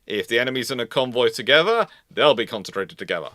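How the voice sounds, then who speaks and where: A man hosts a live question-and-answer show on naval history, talking fast in a bright, medium-pitched voice with lively intonation. His explanations ramble, and he repeats and restarts phrases mid-sentence, all in clean, dry studio sound.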